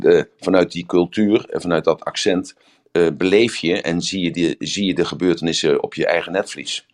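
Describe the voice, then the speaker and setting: Older male group leader, voice extremely low, rambling and anecdotal delivery. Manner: rambling, searching for words, with anecdotes. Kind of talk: casual talk.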